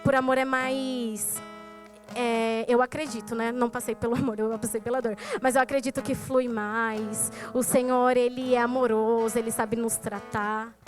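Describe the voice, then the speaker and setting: High-voiced Brazilian woman preaching. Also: flat delivery, normal speed, soft background music. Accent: Brazilian Portuguese. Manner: storytelling, addresses the congregation directly. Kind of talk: sermon testimony. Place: church service.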